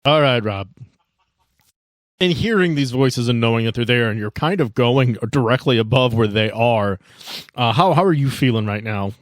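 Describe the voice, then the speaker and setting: Male game master, mid-pitched, informal tabletop narration, dry recording. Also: lively intonation, normal speed, no echo. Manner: informal, addresses players directly.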